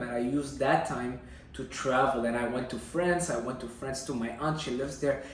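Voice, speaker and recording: A young man from Syria telling his own life story in an emphatic, conversational vlog style. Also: mid-range voice. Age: young adult. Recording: echoey room, distant mic, faint noise.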